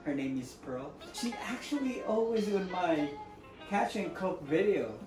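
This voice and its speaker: A man's voice: high-pitched, animated, measured pace, a little mellow, reverberant, soft background music, rough recording. A man in his thirties hosting a cooking vlog from his home kitchen, talking casually to viewers and laughing often. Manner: chatty, laughs often, addresses viewers as guys. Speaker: fishing and cooking channel host. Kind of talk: casual vlog talk to camera.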